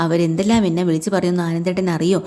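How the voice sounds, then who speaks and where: A woman voices a sulking young wife who complains and pleads with her husband in a retold family story. The tone is low and mellow, and the delivery is brisk. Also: fairly even intonation, natural voice. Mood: aggrieved.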